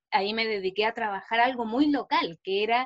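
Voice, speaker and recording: Using a normal speaking voice, a woman talks at a moderate pace with a fairly high pitch. Her intonation is lively. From central Chile. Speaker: podcast panelist, historian. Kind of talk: casual chat.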